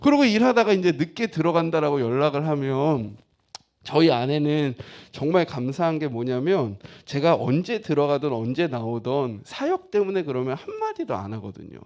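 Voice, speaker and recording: Pastor, man, 30s, from Korea; lively, fairly high sermon voice, dramatizes inner monologue. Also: normal speed. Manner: animated, acts out inner thoughts in quotes.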